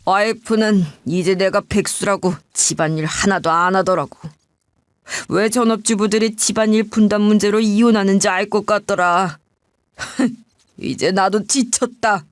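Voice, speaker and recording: A woman's voice: medium pitch, fairly even intonation, unhurried, no echo, clean studio sound, close to an everyday voice. A woman voicing a drunk, self-pitying middle-aged husband who complains in a whiny, slurred way. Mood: whining.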